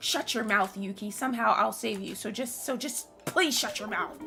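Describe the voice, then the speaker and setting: Over clear background music, a woman does a put-on character voice, fairly high in pitch and at a moderate pace. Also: ordinary pitch variation. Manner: screaming, desperate, pleading.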